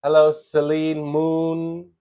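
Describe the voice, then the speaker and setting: An American man in his thirties from Chicago hosts a laid-back English lesson live stream. He speaks at an unhurried pace in a slightly high voice, with plenty of "uh" and "you know". He greets his viewers one by one. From Chicago, USA. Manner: relaxed, greets viewers by name, many fillers. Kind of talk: casual live-stream chat.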